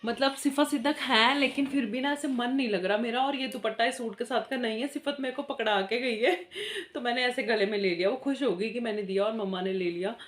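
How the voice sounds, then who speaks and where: A woman's voice: a little high, fairly quick, hardly any pauses. A woman, a mother vlogging in a chatty, casual way and mixing in English words. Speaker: vlogger, mother of several daughters. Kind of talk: casual chatty vlog talk.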